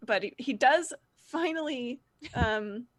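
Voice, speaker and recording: A woman's voice: a little high, lively intonation, slow, no room sound. A woman narrating as game master, loose and chatty with fillers and laughs.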